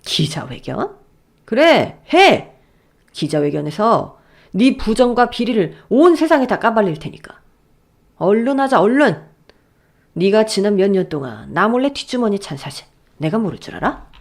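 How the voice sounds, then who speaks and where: A woman voicing a wealthy older father who scolds and sneers at his son-in-law in a lowered, gruff voice, as a story reader. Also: big pitch swings, normal speed. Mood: furious. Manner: gruff, sneering, shouting insults. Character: furious rich old father, blunt and scolding.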